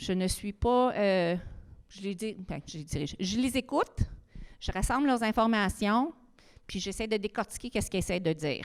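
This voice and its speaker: A woman's medium-pitched voice at a moderate pace with ordinary pitch variation, on a very clean recording with a silent background. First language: English (speaking French). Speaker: swimming official and committee leader. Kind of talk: presentation. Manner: halting, with frequent hesitations.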